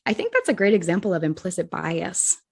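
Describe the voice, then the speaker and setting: A woman co-hosting a podcast for English teachers speaks with a Rhode Island accent. She is earnest and reflective and poses rhetorical questions, her voice a touch low. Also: sing-song, fairly quick, gravelly, husky. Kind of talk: scripted podcast discussion.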